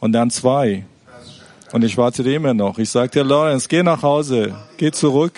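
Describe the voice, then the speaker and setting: A man talks at a moderate pace with a medium pitch and ordinary pitch variation. His loudness stays very even, broken by long, frequent pauses. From Iran. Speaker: congress participant. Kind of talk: personal testimony.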